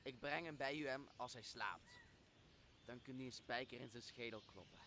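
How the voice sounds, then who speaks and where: A young man, a student actor in a radio play, playing a servile, spiteful island monster with a creaky voice. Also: medium pitch, normal speed, bright, forceful tone, a little hiss or hum. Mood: fawning, pleading. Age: young adult. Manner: grovelling pleas and spat insults. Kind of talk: amateur radio drama acting.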